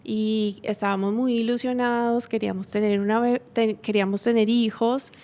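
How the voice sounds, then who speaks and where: A woman from Colombia, giving a personal faith testimony in a halting, earnest way with many pauses and restarts. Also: fairly high pitch, steady tone, mellow.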